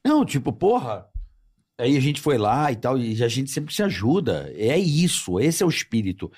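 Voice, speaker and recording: A man hosting a casual podcast, his pitch swinging widely as he talks. He interjects often and swears freely. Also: big pitch swings, normal speed, darkish tone, breathy edge. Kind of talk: casual chat.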